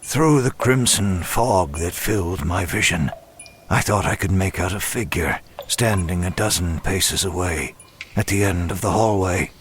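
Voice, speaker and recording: A man playing a broken, self-loathing demon who narrates a horror audio drama in a grave, measured way. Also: low-pitched, a little hiss or hum. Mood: wary, stunned. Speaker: first-person narrator.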